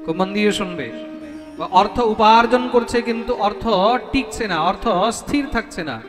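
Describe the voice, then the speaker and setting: A man giving a devotional discourse, chanting verses slowly and calling out questions to his listeners. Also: high voice, lively intonation, long reverb tail, over music. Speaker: Bhagwat preacher.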